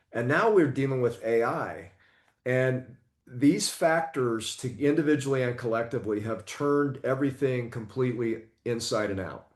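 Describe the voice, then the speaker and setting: An unremarkable speaking voice from a man at medium pitch, moderate pace and ordinary pitch variation, against a quiet background. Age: 60s. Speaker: researcher and author. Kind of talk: interview conversation.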